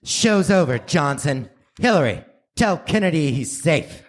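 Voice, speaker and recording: A man's voice: a little high, animated, unhurried. A man playing an earnest, dramatic action hero in a live comedic radio play. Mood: triumphant. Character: earnest heroic action sidekick, urgent and dramatic.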